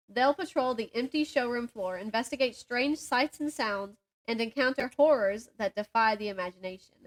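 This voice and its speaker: A young woman co-hosting a podcast, chatting casually about books and reading bits aloud, giggly and a little self-deprecating. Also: fairly high pitch. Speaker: podcast co-host. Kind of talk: casual book chat with synopses read aloud.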